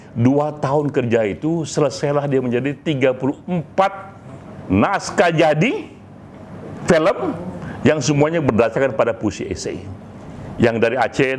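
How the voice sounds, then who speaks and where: A man giving an informal, emphatic monologue to a community, with deliberate pauses and small tag words. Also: a little high. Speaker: speaker, leader of a poetry community.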